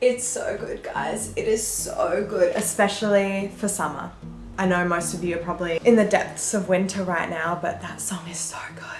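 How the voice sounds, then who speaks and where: With music in the background and audible room echo, a woman with an Australian accent speaks at a moderate pace, her loudness swinging widely. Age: 20s. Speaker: YouTuber and ceramic artist. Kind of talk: casual chat.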